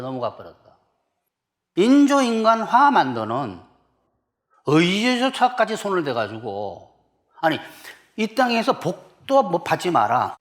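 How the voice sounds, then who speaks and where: A middle-aged man from South Korea preaching a sermon as pastor, emphatic and full of rhetorical questions to the congregation. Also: fairly high pitch.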